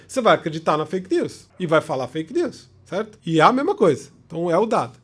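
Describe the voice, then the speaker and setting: A man with a Brazilian Portuguese accent giving an informal explanatory talk as a lecturer, conversational and often checking in with his listeners. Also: sits high. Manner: conversational, checks in with short tag questions.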